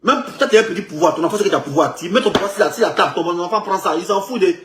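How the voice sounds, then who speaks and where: An Ivorian man speaks in a fairly high voice, with clear room echo around him. He argues in a casual street style, hammering phrases again and again in a mocking, emphatic manner, like someone in a heated political rant. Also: very fast, noisy background.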